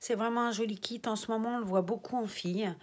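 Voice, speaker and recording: A woman's voice: fairly high pitch, steady tone, fast. An older woman chatting casually to her viewers from a nursery room at home, rambling and often dropping to a whisper. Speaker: reborn doll collector vlogger.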